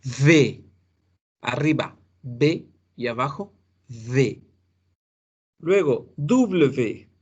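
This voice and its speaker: A man teaching French pronunciation to Spanish speakers, slowly and patiently repeating each sound for his students. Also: medium pitch, lively intonation, slightly rough, highs cut off. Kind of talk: recorded class lesson.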